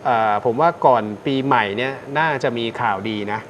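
Taking calls live on his astrology show, the host tells fortunes, offers callers reassurance, and restates his central points. His mid-range voice moves a little fast over faint background noise.

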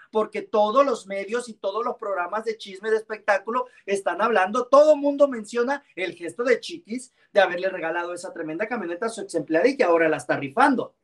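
Animated gossip-show host on a video call. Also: male voice, high voice, a little fast, hardly any pauses, recorded from a distance. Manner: animated and teasing, full of endearments. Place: home room on a video call.

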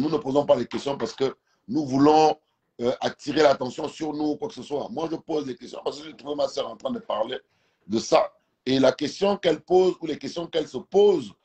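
A man's voice: fairly high pitch, darkish tone. Gabonese man arguing from his couch. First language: Fang. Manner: emphatic, repeats words while searching for them. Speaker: live stream guest. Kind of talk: casual debate over a video call. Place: indoors, lying on a couch at home. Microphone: phone camera held close.

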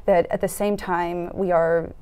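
Earnest woman with a low-pitched voice, hesitating. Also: little pitch movement, measured pace, darkish tone, clear, resonant tone. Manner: earnest, hesitant with frequent fillers and restarts. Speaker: foundation program officer, interviewee. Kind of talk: conversational interview answers. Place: dark studio set at a conference.

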